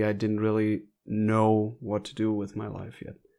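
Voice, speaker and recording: A man with a German accent, fairly low in pitch and fairly slow in pace, on a very clean recording with a silent background. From North Rhine-Westphalia, Germany. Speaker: podcast host, earth sciences student. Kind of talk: casual chat.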